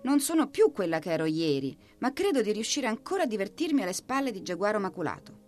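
A slow, stubborn turtle in a storybook, as a woman reader puts her on, firm and measured. The voice is pitched a little above the reader's own and swings widely. Faint music plays behind. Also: sing-song, a little mellow, lightly acted. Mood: sly, encouraging.

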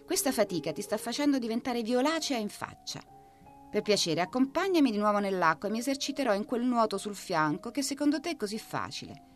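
A woman's voice: on the high side, sing-song, brisk, faint music behind, voice pushed up. A woman doing an eager prickly hedgehog. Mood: eager, chatty.

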